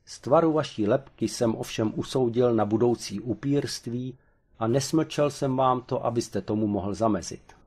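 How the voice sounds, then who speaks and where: A man's voice: medium pitch, a little mellow, husky, lightly acted. A man voicing a pedantic know-it-all occult expert. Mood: lecturing. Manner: lecturing, dry and unruffled. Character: pedantic self-assured male expert on the supernatural. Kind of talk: audiobook character voice.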